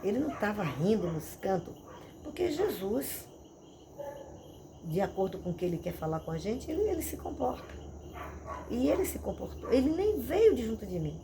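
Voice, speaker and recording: A woman's voice: medium pitch, moderate pace, noisy background. Casting: woman pastor, mid-range voice, vivid repetitive storytelling, insects audible behind. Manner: animated storytelling with dramatic repetitions. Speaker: missionary and pastor. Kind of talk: testimony preaching. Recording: crickets and insects chirping behind.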